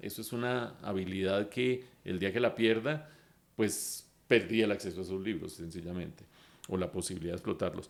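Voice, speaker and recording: A man with fairly low pitch talks at a moderate pace in an ordinary speaking voice. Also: ordinary pitch variation. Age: 60s. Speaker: economist. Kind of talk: casual chat.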